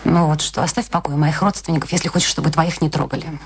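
An actress playing a haughty, sharp-tongued middle-aged wife in a radio play, proud and dismissive. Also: female voice, low-pitched, steady tone, fast talker, noisy background. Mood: cutting.

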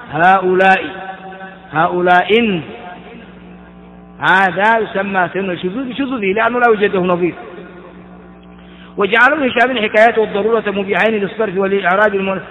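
Man teaching grammar in a hall. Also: high voice. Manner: explains step by step, asks the class questions; chants verse in a sing-song. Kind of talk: classroom lecture on grammar. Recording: dull, hall-like lo-fi recording.

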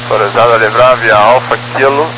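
A man's voice: medium pitch, fairly even intonation, a little fast. Brazilian male pilot on very noisy radio. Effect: aircraft radio. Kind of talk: aviation radio readbacks. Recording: very noisy radio with loud hum.

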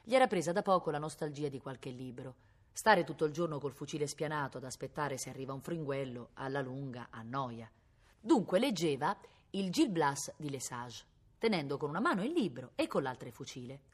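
Woman, novel read aloud, expressive storytelling, lowish voice, lively intonation. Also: brisk. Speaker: reader. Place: public library.

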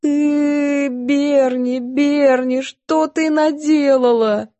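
A man's voice: extremely high pitch, steady tone, very slow, warm tone, voice pushed up, full character voice. A woman reading as a wailing tearful maid. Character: timid weepy young housemaid.

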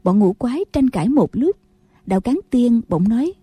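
A woman reads a martial-arts novel aloud in a very dark, mellow voice with a faint husky grain. She keeps a steady storytelling pace, and the sound is dry and close. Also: fairly high pitch, normal speed, no echo. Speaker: narrator.

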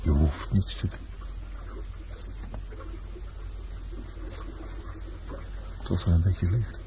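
An actor in a Dutch radio play playing a world-weary, blunt lover and sailor, terse and fatalistic. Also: male voice, deep voice, brisk. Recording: dull, noisy old radio drama recording.

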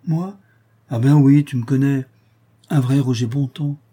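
A man's voice: mid-range voice, measured pace, breathy edge, pitched above the performer's own voice. A man reading an audiobook aloud, voicing a cheerful, talkative young Parisian seamstress. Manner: lively, affectionate, talkative.

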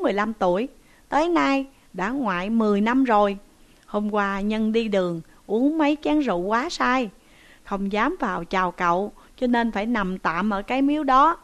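A woman's voice: mid-range voice, lightly acted. A woman voicing a pleading captured traveler. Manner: urgent, pleading. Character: male traveler caught as a thief, pleading.

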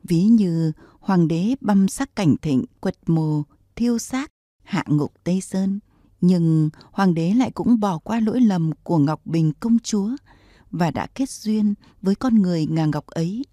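A woman narrating a historical novel as an audiobook, in a measured, unhurried storytelling manner. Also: on the low side, dark tone, no echo, clean studio sound.

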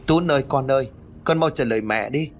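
A man's voice: medium pitch, expressive, brisk, slight background noise, lightly acted. Man voicing an anxious young mother. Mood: frantic. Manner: urgent, near shouting. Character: anxious young mother searching for her child.

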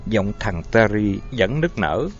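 A man narrating an audiobook story with an expressive, dramatic reading. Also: on the low side, slow. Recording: dull lo-fi audio, faint music.

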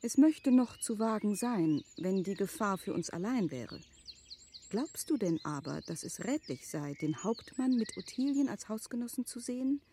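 An actress playing a thoughtful, cautious married gentlewoman in a literary radio drama, speaking in measured, eloquent, formal phrases. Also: mid-range voice, animated, slight background noise, natural voice. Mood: cautious, doubting. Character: thoughtful, cautious married gentlewoman, yielding yet clear-sighted.

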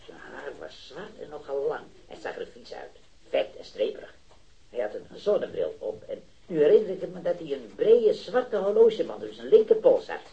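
A man playing an earnest, hesitant witness in a radio drama, recounting things carefully and haltingly. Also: a little high, big pitch swings, gravelly, dark tone, lo-fi sound. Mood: recalling carefully.

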